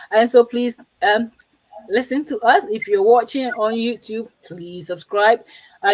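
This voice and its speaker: Female live-show host, animated and encouraging. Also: medium pitch, rough recording. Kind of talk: live talk-show hosting.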